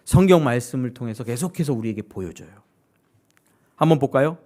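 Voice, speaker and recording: A male pastor preaching a sermon. He keeps putting questions to his congregation and acts out what other people say. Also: fairly quick. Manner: animated, asks the congregation questions directly; acts out quoted voices with sudden high-pitched outbursts.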